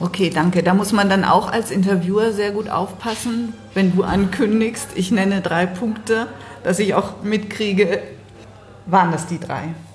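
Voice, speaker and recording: A woman's medium-pitched voice at a fairly slow pace, fairly even intonation, audible room echo and noticeable background noise. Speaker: podcast host. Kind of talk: interview conversation. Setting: in-person recording. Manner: trembling voice.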